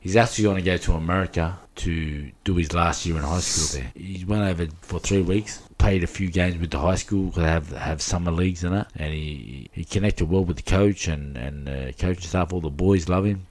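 Very deep-voiced Aboriginal Australian man, chatting casually. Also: normal speed, hardly any pauses, darkish tone. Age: middle-aged. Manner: slangy, repeats himself, says "bro" and "you know". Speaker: interview guest. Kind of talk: casual chat.

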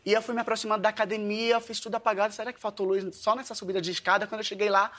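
A man's voice: high-pitched, very fast. A man from Paraíba with a Northeastern Brazilian accent, telling a comic story to an audience and acting out the voices of the people in it. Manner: animated, acts out his own dialogue. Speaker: guest storyteller, dance teacher. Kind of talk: comedic storytelling before an audience.

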